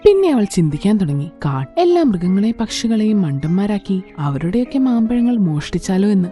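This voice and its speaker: A woman's voice: mid-range voice, sing-song, brisk, warm tone, faint music behind. A woman narrating a children's story as a scripted storyteller.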